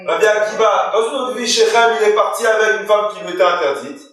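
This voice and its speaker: This rabbi speaks fast in a high, slightly bright voice as he teaches a Torah class, acting out the people in a story through quoted dialogue and questioning his listeners. He's in a hall or study room, recorded far from the mic amid heavy echo.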